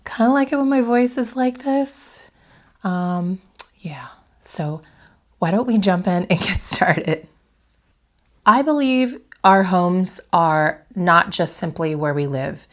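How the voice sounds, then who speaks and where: A young adult woman hosting a vlog from her bedroom, speaking slightly nasally because of a head cold, in a calm, reflective coaching tone that asks the viewer direct questions. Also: lowish voice, slow pace. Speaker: vlog host and interior designer. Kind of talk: motivational talk to camera.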